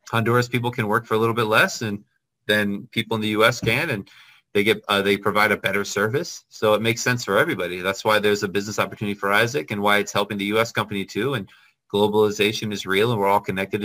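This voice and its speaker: A man hosting a business channel, chatting on a video call and then speaking to camera in a friendly, quick way. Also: on the low side, sharp tone. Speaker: business consultant and channel host.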